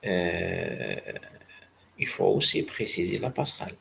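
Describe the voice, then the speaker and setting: Low, gravelly male lecturer. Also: very animated, unhurried, fairly bright tone, slight background noise. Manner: didactic, repeats key points for emphasis. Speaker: networking lecturer. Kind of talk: spoken university lecture.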